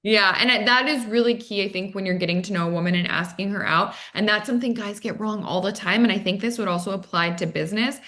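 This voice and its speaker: A woman's voice: mid-range voice, fast, few pauses, bright, forceful tone. A woman speaking as a coach and interview guest, explaining casually and acting out little quoted exchanges. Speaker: dating coach, podcast guest. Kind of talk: conversational advice and anecdotes.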